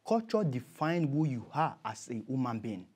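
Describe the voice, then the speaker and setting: Male interview guest, Nigerian accent, emphatic conversational delivery, mid-range pitch, leans on repetition to make his point. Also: sing-song, moderate pace, darkish tone, husky.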